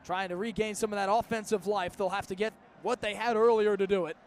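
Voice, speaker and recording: A man's voice: sits high, fairly even intonation, fairly quick, slight background noise. A man in his early twenties calling live American football play-by-play in the style of a radio broadcast. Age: early 20s. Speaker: play-by-play sports announcer. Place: outdoor stadium broadcast position.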